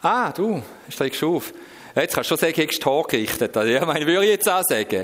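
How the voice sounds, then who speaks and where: Over noticeable background noise, a man with a Swiss accent speaks fast-ish in an animated tone, his fairly high voice making very wide pitch swings while his loudness stays very even. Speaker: former drug addict giving testimony. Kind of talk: testimony talk to church audience. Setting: stage with audience.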